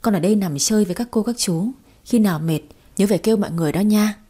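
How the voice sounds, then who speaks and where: A woman's voice: mid-range voice, quick pace, warm tone, breathy edge, natural voice. A woman voicing a young, poor mother who pleads tearfully for her sick son, in an audio story. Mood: gentle.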